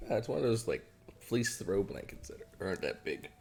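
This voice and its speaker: A man's voice: low-pitched, sing-song, fairly quick, creaky, slight background noise. A man co-hosting a podcast in casual, jokey banter. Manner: jokey, swearing. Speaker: podcast co-host.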